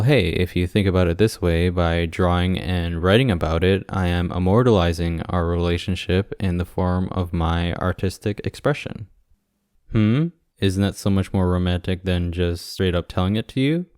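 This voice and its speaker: Casting: male actor as doting young boyfriend for ASMR roleplay, low smooth voice, gently teasing. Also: no echo, clean studio sound. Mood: joking, teasing. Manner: teasing, sweet, gently joking. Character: affectionate, playful young boyfriend visiting hospitalised partner.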